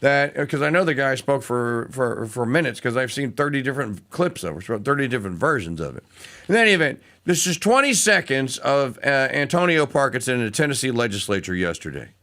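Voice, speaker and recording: A middle-aged man from Louisiana, hosting a casual talk radio show, rambling and digressive with lots of fillers and restarts. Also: fairly quick. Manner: animated pitch swings.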